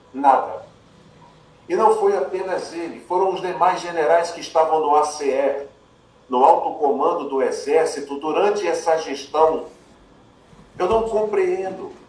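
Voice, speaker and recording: A man with a high pitch and ordinary pitch variation talks at a fairly slow pace, leaving long, frequent pauses. Audible room echo and noticeable background noise surround him. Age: 60s. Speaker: military veteran and political commentator. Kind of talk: political commentary vlog. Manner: emphatic, incredulous.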